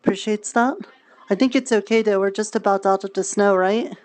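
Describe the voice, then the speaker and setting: A woman's voice: mid-range voice, steady tone, fairly quick, a little mellow. A woman talking casually in character during an online game roleplay, a little hesitant in how she puts things. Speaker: streamer and roleplayer.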